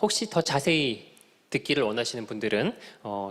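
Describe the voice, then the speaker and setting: In a very clean recording over a silent background, a man talks at a medium pitch. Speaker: pastor and cult counselor. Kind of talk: seminar lecture. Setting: live seminar with audience. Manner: fast.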